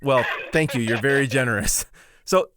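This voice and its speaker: Energetic male podcast host. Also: mid-range voice. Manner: energetic, self-deprecating, quick recaps. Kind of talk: casual podcast chat and summary.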